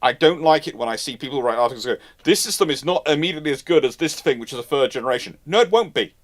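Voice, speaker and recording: A man's voice: mid-range voice, racing. Man explaining off the cuff, emphatically. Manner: animated, emphatic, repeats and rephrases mid-sentence. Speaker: host of naval history live Q&A. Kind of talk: off-the-cuff explanatory commentary, answering listener questions.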